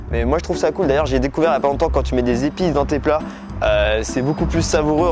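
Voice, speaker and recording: Expressive young man from Morocco coaching. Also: mid-range voice. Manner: lively, expressive, speeds up and slows down for emphasis. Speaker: dating coach. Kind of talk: coaching video lesson.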